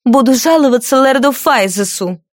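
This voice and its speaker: A woman's voice: high voice, animated, moderate pace, no room sound, studio quality, voice pushed up. A woman reading an audiobook, voicing a spiteful, haughty noblewoman who hisses and snaps at her servant. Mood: furious. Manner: hissing, snapping, haughty. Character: spiteful, shrill noblewoman, domineering mistress of a page.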